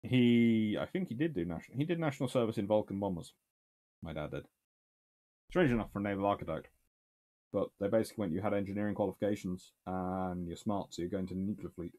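A man's voice: fairly low pitch, fast. Dry-witted British man chatting at his desk. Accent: British English. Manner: dry wry asides, lively bursts of enthusiasm. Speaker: naval historian host. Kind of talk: casual chat reviewing books and answering questions. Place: small home study lined with bookshelves.

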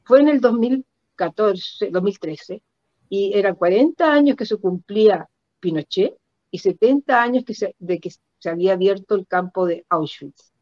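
An older woman with a Chilean accent recounts personal stories reflectively in an interview, halting and repeating words for emphasis over a video call. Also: medium pitch, animated, a little mellow, no echo. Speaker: guest performance artist. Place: indoor room at home. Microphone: computer mic on a video call. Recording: dull lo-fi video call audio.

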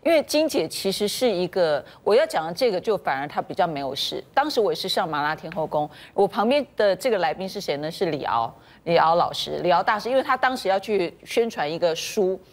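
Expressive woman telling an anecdote. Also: lowish voice, fairly quick, few pauses. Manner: addresses the audience directly while telling anecdotes. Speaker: talk show panelist.

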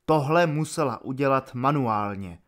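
A man reading an audiobook aloud in a measured, dramatic narrating style. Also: medium pitch, lively intonation, fairly bright tone.

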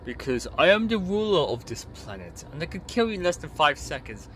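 Cold AI overlord for an audio play, pompous, threatening, varied in pitch, acted by a man. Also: very animated, fairly quick, a bit bright, a little hiss or hum, rough recording. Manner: pompous, menacing. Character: ancient tyrannical ruler in an AI body, cold. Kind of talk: amateur audio play acting.

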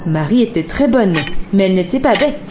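A woman narrating a children's tale in a calm, expressive storybook reading. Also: medium pitch, brisk, background noise. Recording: radio studio with music bed.

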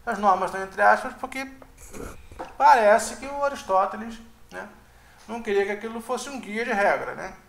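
A man gives a casual online lecture in a high voice with a gravelly, creaky edge. He speaks informally, hedges often and ends many sentences with a questioning tag. The sound is roomy and echoey. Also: lively intonation, moderate pace, fairly bright tone. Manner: informal, hedging, frequent "né?" tags; admits uncertainty, thinks aloud with restarts. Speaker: teacher.

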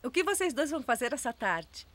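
A woman voicing a caring, cheerful young mother in a children's cartoon dub, gentle and reassuring, with a Brazilian accent. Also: sits high, very animated, brisk, no room sound.

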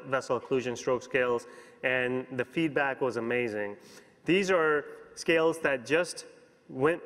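A man in his thirties giving a conference keynote as a physician, explaining briskly and checking in with "you know" and "okay?" on a lapel mic. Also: mid-range voice, a bit bright. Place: large conference hall stage. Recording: long hall reverb.

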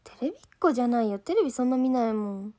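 Young woman, slightly high voice, light Gifu accent, rambling livestream chat to fans, lots of fillers. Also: lively intonation, rapid-fire, warm tone. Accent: mostly standard Japanese with a light Gifu dialect. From Gifu, Japan. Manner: chatty and rambling, loses her thread, fills with "nanka". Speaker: idol trainee livestreaming to fans. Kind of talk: casual livestream chat reading viewer comments.

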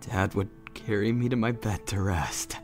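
Man as sentimental monster king, cartoon dub, soft-spoken, wistful, lowish voice, light music behind. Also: moderate pace, natural voice. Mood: fond, wistful. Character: gentle, sentimental adult goat-monster king reminiscing fondly. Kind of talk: comic dub character acting.

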